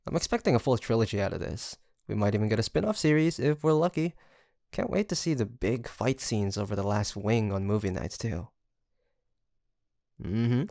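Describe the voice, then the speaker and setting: A man's voice: fairly low pitch, gravelly, darkish tone, dry recording, clean studio sound. A man playing a sweet young male roommate and best friend in an intimate roleplay audio, teasing and chatty with a playful storytelling streak. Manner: teasing, chuckling, mock-grandiose storyteller.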